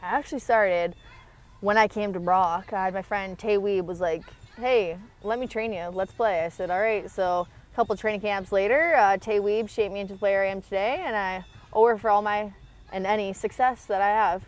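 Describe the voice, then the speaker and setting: A woman's voice: medium pitch, steady tone, normal speed. Young Canadian woman chatting informally. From small town in Ontario, Canada. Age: young adult. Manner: informal, slangy. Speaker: university athlete being interviewed. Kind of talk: casual interview chat. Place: outdoor sports field.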